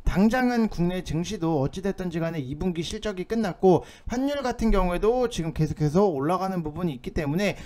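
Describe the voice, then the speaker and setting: Man, fairly high voice, market commentator, insistent, urgent, explanatory, informal. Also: darkish tone. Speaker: stock market commentary host. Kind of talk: informal market commentary over on-screen notes.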